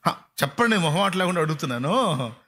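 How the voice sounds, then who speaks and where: A pastor preaching to his congregation in a colloquial, emphatic style, firing off repeated rhetorical questions and scolding gently. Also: on the high side, sing-song, a little fast. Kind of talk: sermon to a congregation.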